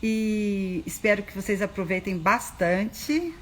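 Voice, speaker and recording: A woman from Goiânia in Brazil, hosting a live video interview and chatting warmly while telling stories. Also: medium pitch, expressive, slow, slight background noise. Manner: chatty, storytelling, laughs easily. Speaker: host.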